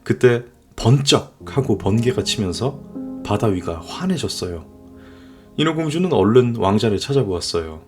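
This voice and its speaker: Low, expressive man telling bedtime tales. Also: moderate pace, faint music behind. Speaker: storyteller, father. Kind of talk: scripted bedtime fairy-tale narration.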